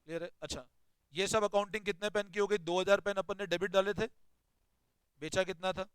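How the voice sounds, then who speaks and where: A man's voice: high-pitched, steady tone, a little fast, clean tone, no echo, rough recording. A man teaching an accounting class, explaining step by step and questioning his students as he goes. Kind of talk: classroom lecture.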